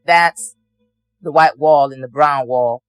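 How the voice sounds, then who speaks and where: A man's voice: on the high side, slow pace, fairly bright tone, clean tone, dry recording, soft background music. A man giving courtroom testimony as a witness, answering in a plain, matter-of-fact way.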